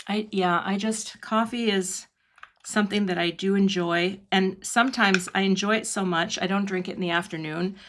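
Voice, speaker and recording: A woman speaks at a medium pitch and a moderate pace, her intonation fairly even. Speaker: cardmaking instructor. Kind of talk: live online craft class. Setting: live-streamed online class. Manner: chill, relaxed.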